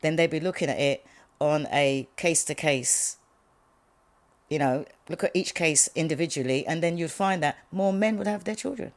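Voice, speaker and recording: A woman's voice: low-pitched, normal speed. A woman guest in a casual interview, blunt and opinionated.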